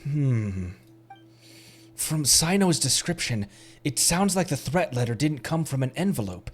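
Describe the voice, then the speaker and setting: A man's voice: on the high side, sing-song, measured pace, slightly rough. Chatty male streamer, laughs easily. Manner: chatty, rambling, laughs often. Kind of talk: casual live-stream commentary. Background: game music.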